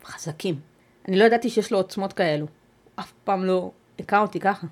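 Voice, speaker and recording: A woman, a guest on an interview podcast, recounting a personal ordeal in a measured, halting way, pausing and restarting as she goes. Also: medium pitch.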